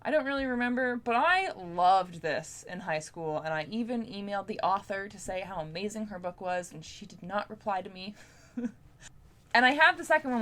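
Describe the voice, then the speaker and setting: A woman's voice: mid-range voice, a bit bright. A woman with a Canadian accent chatting casually to viewers as a book vlogger, informal and talkative. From Ontario, Canada. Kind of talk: casual chat to camera.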